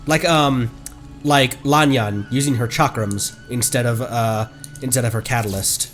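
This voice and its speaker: A man streaming a video game playthrough, chatting casually in an animated way and swearing freely. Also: mid-range voice, measured pace. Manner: animated, swears, laughs readily. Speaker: streamer, vtuber. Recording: game music behind. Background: video game music.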